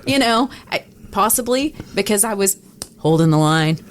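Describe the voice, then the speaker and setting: A woman's voice: medium pitch, lively intonation, normal speed, a little hiss or hum. An American woman, a radio host, talking in a casual conversational way.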